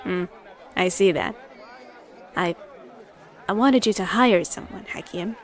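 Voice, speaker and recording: Guy doing a gentle soft-spoken lady, raised voice, some crowd behind. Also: sits high, slow, voice pushed up. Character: kind soft-spoken wealthy older woman.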